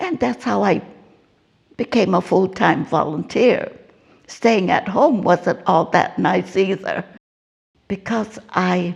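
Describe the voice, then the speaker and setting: Vocal fry marks this woman's medium-pitched voice. She talks at a very slow pace with long, frequent pauses. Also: lively intonation. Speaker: retired teacher and club volunteer. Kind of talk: interview answer.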